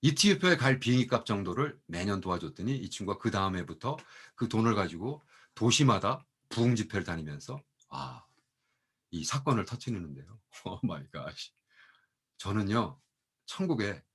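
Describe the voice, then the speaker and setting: A middle-aged man, a pastor and mission professor, telling testimony stories in an animated way and acting out the people he quotes. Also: on the low side, normal speed, slightly rough. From Korea. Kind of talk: storytelling testimony talk.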